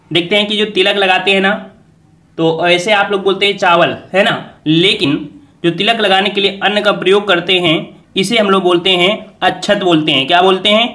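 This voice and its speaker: A man's voice: high voice, pushed and bright. A man teaching an exam revision lesson, quizzing viewers and repeating each answer as a question.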